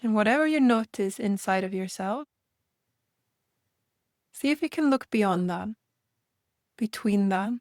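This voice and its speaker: Woman doing guided meditation, gentle, lots of long pauses, medium pitch, really dry sound. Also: expressive, dry recording.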